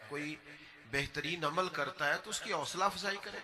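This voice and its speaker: A man's plain, everyday voice, fairly high in pitch, with ordinary pitch variation. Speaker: Islamic preacher. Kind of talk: Islamic sermon (bayan). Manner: emotional, earnest, preaching.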